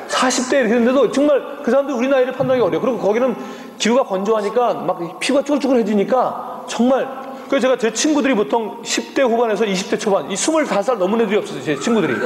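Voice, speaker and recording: A man in his fifties, a missionary preaching a sermon and telling humorous stories, acting out voices as he quotes people. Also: high voice. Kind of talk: sermon with storytelling. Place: church sanctuary. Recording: echoey church hall.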